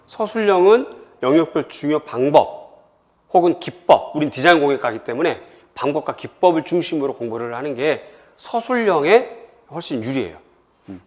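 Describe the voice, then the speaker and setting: A middle-aged man from Seoul giving an exam prep info session, chatty and full of personal stories. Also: mid-range voice. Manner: lively, chatty, tells personal anecdotes. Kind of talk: admissions info session lecture.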